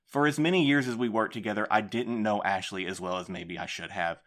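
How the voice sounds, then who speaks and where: A defensive, guarded postmaster, voiced by a man in an audio drama. He speaks in a low, measured voice and tries to placate the people questioning him. His delivery stays calm and careful. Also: close to an everyday voice. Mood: earnest.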